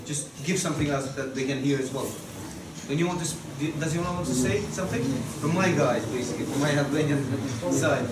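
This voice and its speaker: A man's voice: mid-range voice, brisk. A man at a press conference, coaxing his teammates to speak up. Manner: coaxing, urging others to speak. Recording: echoey room, distant mic, loud noise.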